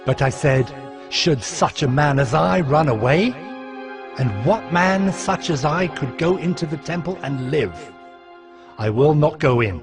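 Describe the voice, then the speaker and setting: A man playing a steadfast, devout ancient governor, narrating his memoir of scripture in a solemn, measured way. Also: on the high side, lively intonation. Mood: solemn, resolute. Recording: music behind the voice.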